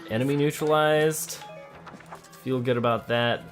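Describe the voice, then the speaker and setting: Soft music plays as a man with a steady, mid-range voice gives measured, easygoing commentary on a video game. He reasons out loud and speaks directly to the characters while playing.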